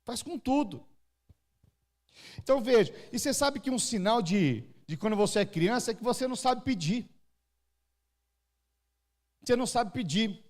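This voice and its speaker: Man, Brazilian pastor, São Paulo accent, high voice, animated sermon at a church service. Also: normal speed, long pauses. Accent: Brazilian Portuguese, São Paulo area. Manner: animated preaching, acts out crying babies and parents.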